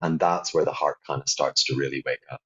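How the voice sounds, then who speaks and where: Belfast man, very deep husky voice, guest in a talk, calm and unhurried, dull low-fi audio. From Northern Ireland. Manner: calm, flowing explanations with frequent fillers. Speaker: guest, founder of a meditation app. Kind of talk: interview conversation.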